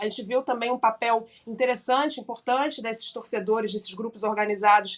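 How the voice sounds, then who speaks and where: A woman's unremarkable speaking voice with fairly even intonation, set against a quiet background. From Rio de Janeiro, Brazil. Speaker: podcast host, sociologist and psychoanalyst. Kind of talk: interview.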